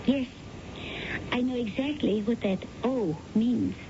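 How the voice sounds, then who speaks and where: Insistent widow, higher-pitched, precise, self-deprecating, radio play, noisy muffled recording. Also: female voice, slow. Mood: modest, pointed. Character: proud, self-deprecating recent widow of modest means. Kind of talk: radio drama acting. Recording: dull, noisy old radio broadcast with rumble.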